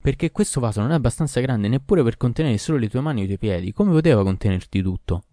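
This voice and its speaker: A man's voice: medium pitch, expressive, fast talker, warm tone, dry recording, studio quality, lightly acted. A man voicing a poor, desperate but cunning fisherman in a storybook reading, speaking in an earnest, pleading way.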